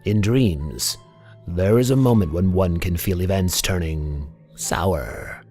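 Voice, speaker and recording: A man delivering dramatic scripted narration in an ominous, solemn, deliberate manner. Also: sits low, a little mellow. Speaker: voice-over artist. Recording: music bed behind the voice.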